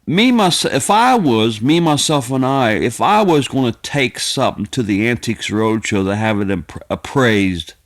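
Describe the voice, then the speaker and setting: Halting, folksy middle-aged man. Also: mid-range voice, lively intonation. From United States. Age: 50s. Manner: repetitive, halting, circling back over phrases; folksy, plainspoken. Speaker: video creator. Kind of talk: casual rambling vlog monologue.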